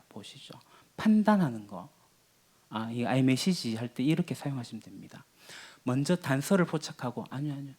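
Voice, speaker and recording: A pastor delivers a sermon in a slightly mellow, medium-pitched voice. He teaches conversationally, tossing out rhetorical questions and acting out quoted lines from everyday quarrels.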